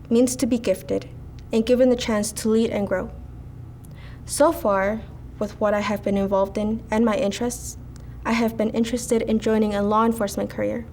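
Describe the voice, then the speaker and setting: A woman's voice: medium pitch, darkish tone, a little hiss or hum. A teenage girl, a native Spanish speaker, earnestly reading a prepared speech as a student speaker. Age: teens.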